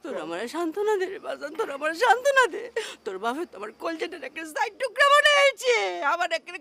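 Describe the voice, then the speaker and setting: A woman playing a tearful, aggrieved village mother who laments loudly. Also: very high voice, big pitch swings, fast talker, heavily acted. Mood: wailing.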